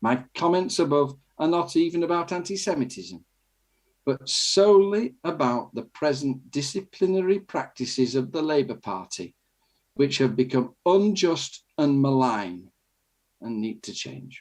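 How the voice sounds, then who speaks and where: In a British accent, the words come at a fairly slow pace. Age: 60s. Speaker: radio host; retired teacher. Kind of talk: reading aloud; casual chat. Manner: formal; halting.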